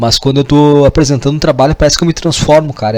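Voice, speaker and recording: In a fairly high pitch for a man, he talks with monotone, flat intonation. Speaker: podcaster. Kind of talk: casual solo monologue. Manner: fast; swallows words, not very clear.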